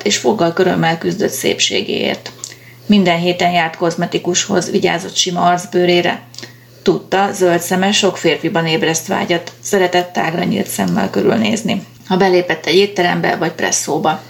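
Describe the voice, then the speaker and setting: A woman narrating an audiobook calmly. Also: on the low side, gravelly. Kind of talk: audiobook reading.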